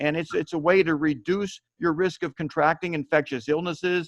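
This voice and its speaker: A man with a plain, everyday voice at a fairly quick pace and fairly high pitch with ordinary variation, recorded dry and close with no echo against a quiet background. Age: 60s. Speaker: health supplement company co-founder. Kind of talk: video interview discussion.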